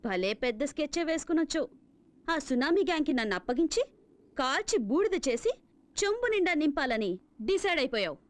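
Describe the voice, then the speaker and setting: An actress playing a brash, defiant young female pickpocket in a Telugu comedy film, scornful and streetwise, quick to retort. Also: high-pitched, big pitch swings. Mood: scornful refusal.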